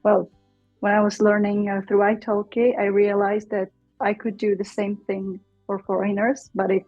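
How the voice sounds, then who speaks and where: A young adult woman from the Czech Republic with a Czech accent, a Czech teacher speaking English casually as an interview guest, thoughtful and pausing often. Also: mid-range voice, monotone, a little mellow, no echo, dull audio, soft background music. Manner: thoughtful, many fillers and restarts.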